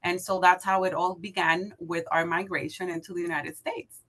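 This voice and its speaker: A woman in her thirties from the Dominican Republic, a podcast guest telling her story casually, upbeat and quick to laugh. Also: fairly low pitch, level tone, a bit bright. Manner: upbeat, laughs easily, fillers like um and like.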